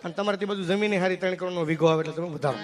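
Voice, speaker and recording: A man's voice: high voice, racing, over music. A young man telling folk comedy stories on stage, chatty, acting out dialogue in different voices and laughing along. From Gujarat, India. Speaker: stand-up comedian and mimic. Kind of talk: folk stand-up storytelling before an audience.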